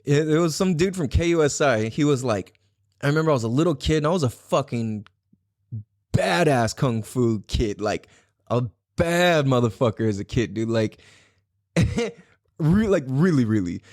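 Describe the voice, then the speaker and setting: A man's voice: medium pitch, animated, normal speed, a little mellow, no echo, studio quality. A young adult man hosting a podcast, telling a rambling, profane story in a casual solo style. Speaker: podcast host.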